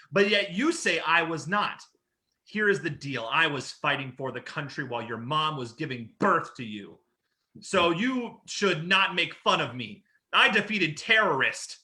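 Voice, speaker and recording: A man's voice: sits high, bright, forceful tone, heavily acted. A man playing a brash, boastful old war-veteran wrestler in a staged reading of a trash-talk promo. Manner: boastful, taunting.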